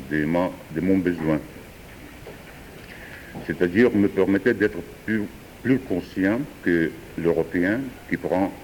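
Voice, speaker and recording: Slow deep-voiced man. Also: darkish tone, slight background noise. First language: Georgian. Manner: hesitant, many pauses and fillers. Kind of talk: improvised philosophical talk. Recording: distant voice in a reverberant hall.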